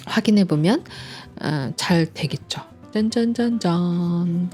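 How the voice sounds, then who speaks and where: This coding instructor has a somewhat low, slightly mellow voice. Teaching a programming lesson from home via screen recording, she keeps things playful and cheerful with sounds like "짠짠짠," explaining each step in a chatty, patient way.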